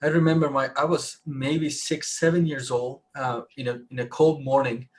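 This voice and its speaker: Man, Persian speaker, live online discussion, halting, restarts often, mid pitch. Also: flat delivery, a little hiss or hum. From Iran. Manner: halting, many restarts, rising emphasis. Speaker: panelist.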